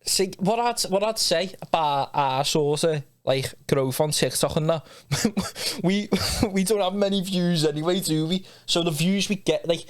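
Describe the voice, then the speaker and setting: This is a young man with a slightly high voice, hosting a podcast. He chats in a matey, slangy way and keeps adding tag questions. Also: unhurried, few pauses. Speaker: podcast host. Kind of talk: casual interview chat.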